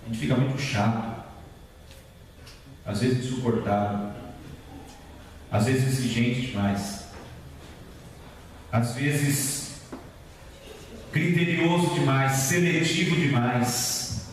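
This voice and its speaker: A man preaching a sermon in Brazilian Portuguese, lively and joking with his congregation, acting out little quotes. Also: medium pitch, slow, pauses often, slight background noise. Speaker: pastor. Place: church hall, indoors. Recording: echoey church hall, voice from far off.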